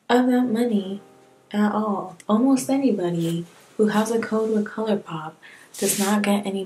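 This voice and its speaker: A beauty vlogger in her twenties films a casual makeup tutorial in a small indoor room with a plain wall. She talks candidly in a mid-range voice, full of wry, rambling self-mockery, and the recording is rough.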